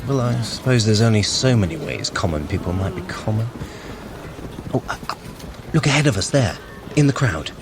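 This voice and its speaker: Brief: a scheming trickster god for an audio adventure, deep but highly varied in pitch, haughty, dry, condescending. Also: male voice, expressive, moderate pace, long pauses, over music. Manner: haughty, dry, formal old-fashioned phrasing. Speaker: fitness workout guide character. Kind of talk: scripted audio adventure acting.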